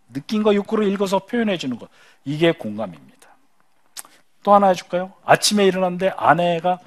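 A man giving a storytelling lecture who asks the audience questions and acts out the dialogue. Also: high voice. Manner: acts out dialogue in changing voices.

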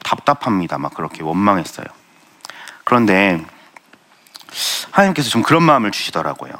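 A man's voice: lowish voice, very animated, a little fast, sharp tone. A young man giving an earnest, self-deprecating Christian testimony and answering audience questions. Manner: earnest, self-deprecating storytelling with light laughs. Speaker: Christian speaker sharing testimony.

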